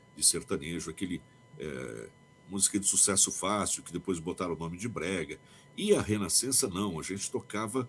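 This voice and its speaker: A man's very deep, low voice with vocal fry and lively intonation. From Ituverava, São Paulo state, Brazil. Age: 60s. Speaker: radio announcer. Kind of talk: interview answer. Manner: casual, reminiscing.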